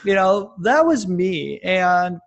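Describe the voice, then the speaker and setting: Slow and sing-song, a man's high-sitting voice carries vocal fry. In his forties and from Kansas, he drifts through a relaxed podcast conversation, rambling and owning up to babbling.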